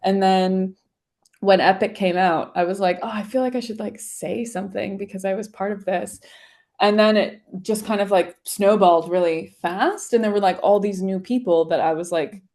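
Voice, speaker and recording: A woman's voice: medium pitch, moderate pace, a little mellow. A young adult woman, a singer-songwriter guest, chatting casually in an interview and using lots of "like" fillers. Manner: chatty, heavy use of "like" fillers.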